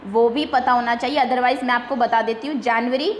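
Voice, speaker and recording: A woman, a teacher leading a slow, patient quiz lesson for young pupils and repeating words carefully. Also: fairly high pitch, fairly even intonation, reverberant, a little hiss or hum. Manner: patient, repeats slowly, mixes English terms.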